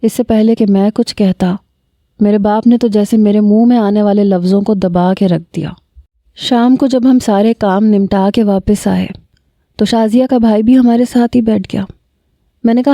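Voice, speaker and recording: A woman narrating a romantic story in a steady, measured reading. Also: mid-range voice, dry recording, studio quality.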